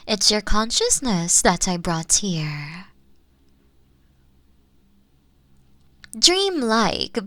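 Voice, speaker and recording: A woman voicing a gentle, ageless otherworldly spirit in a comforting audio roleplay, speaking softly and formally with breathy, near-whispered phrase endings. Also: mid-range voice, dry recording, full character voice. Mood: calm, reassuring. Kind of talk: scripted comforting audio roleplay, soft ASMR delivery.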